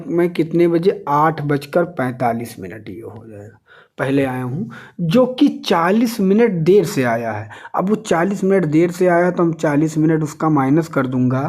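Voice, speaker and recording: A man's voice: a little high, darkish tone. A man teaching an exam lesson step by step, asking questions, answering them himself and repeating key figures.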